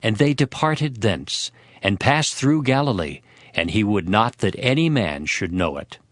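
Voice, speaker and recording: Expressive male scripture narrator. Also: fairly low pitch, no echo, studio quality. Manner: measured, expressive storytelling. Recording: music behind the voice. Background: music.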